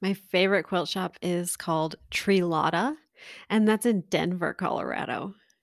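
On a very clean recording with a silent background and a dry, close sound with no echo, a woman with a Midwestern American accent speaks at a moderate pace, medium in pitch with ordinary pitch variation. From US Midwest, central Illinois. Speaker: quilt artist and teacher. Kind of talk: casual chat.

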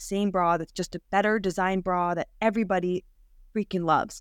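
An ordinary speaking voice with an American accent, fairly even intonation and a moderate pace, in a very clean recording with a silent background. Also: woman. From United States. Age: 20s. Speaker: company founder. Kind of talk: casual interview.

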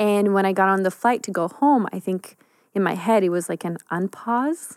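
An ordinary speaking voice moves at a moderate pace with ordinary pitch variation. The recording is very clean with a silent background and a dry, close sound with no echo. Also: woman. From Bosnia, then Serbia, then Canada. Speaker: psychotherapist and author. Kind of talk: casual chat. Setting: studio.

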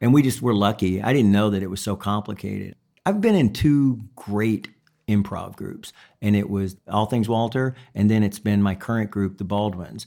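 A dark, mellow tone in a Texas accent, moderate pace and fairly even intonation, on a very clean recording with a silent background. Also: man, fairly low pitch for a man. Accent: Southern US with Austin Texas tinge. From Memphis, Tennessee. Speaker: stand-up and improv comedian. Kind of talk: casual interview chat.

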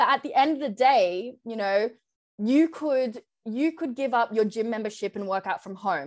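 Speaking with a British accent, a woman uses a fairly high pitch and lively intonation on a very clean recording with a silent background. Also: moderate pace. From UK. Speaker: mindset and career coach. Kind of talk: podcast interview.

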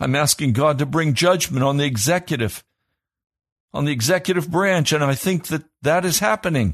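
A man with an American accent and a passionate, intense tone, at a fairly high pitch with ordinary pitch variation, very even loudness, a moderate pace and a quiet background. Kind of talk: sermon; fervent prayer and preaching, imprecatory and urgent. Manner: passionate, intense, forceful; emphatic, repetitive, thundering denunciation.

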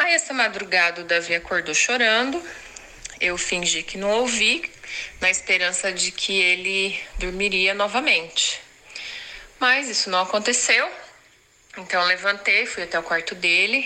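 Noticeable background noise sits behind a woman of medium pitch who speaks at a fairly slow pace with ordinary pitch variation and long, frequent pauses. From Londrina, Paraná, Brazil. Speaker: listener, mother. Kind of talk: voice message.

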